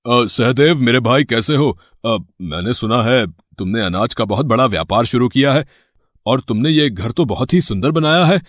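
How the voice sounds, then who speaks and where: A man's voice: medium pitch, lively intonation, normal speed, dry recording, studio quality, natural voice. A man voicing a greedy, scheming older brother in a cartoon, who wheedles and puts on fake crying. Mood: sly sorry. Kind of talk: Hindi cartoon voice acting.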